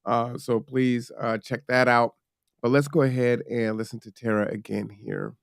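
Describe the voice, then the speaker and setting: A man's voice: medium pitch, lively intonation, moderate pace, creaky, dry recording, studio quality. A man hosting a live show, talking loosely and chattily with fillers. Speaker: host.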